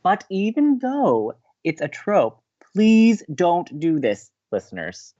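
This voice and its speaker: An actor playing a gleeful, teasing young college radio co-host, bantering with dramatic emphasis. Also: male voice, high voice, wildly swooping pitch, slow, mellow, muffled recording, full character voice. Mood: animated. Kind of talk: bantering audio drama dialogue.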